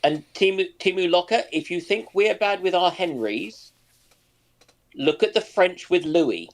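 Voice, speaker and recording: A man's voice: high-pitched, animated, a little slow. A man chatting as a panelist, musing aloud in a hesitant, discursive way. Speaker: panelist on a history live stream. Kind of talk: casual discussion.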